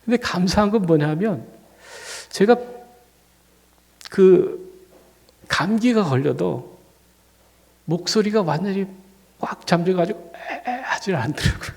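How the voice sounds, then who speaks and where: Gravelly-voiced man preaching in reverb. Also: high-pitched, animated, unhurried, long pauses, darkish tone. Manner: conversational, with rising emphatic peaks on key points. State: fighting a cold and feeling dizzy. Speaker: senior pastor. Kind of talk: storytelling sermon. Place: church sanctuary. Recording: long church reverb.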